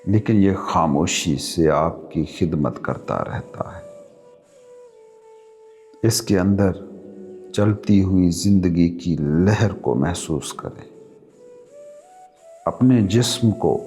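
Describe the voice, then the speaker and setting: Low male voice, very slow pace, guided meditation, measured instructions, long pauses, flute music behind. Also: a little mellow.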